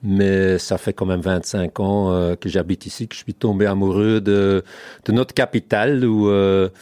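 A man's voice: sits low, steady tone, normal speed, a little mellow, clean tone, dry recording. A Dutch-speaking man from Flanders with a Flemish accent, a guest entrepreneur explaining his business with fillers. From Flanders, Belgium.

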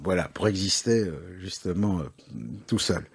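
Husky middle-aged man with a Parisian accent. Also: low-pitched, moderate pace. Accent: Parisian French. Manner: hesitant, many "euh" fillers, wry and self-mocking. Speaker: advertising agency founder, interview guest. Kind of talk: relaxed interview answers.

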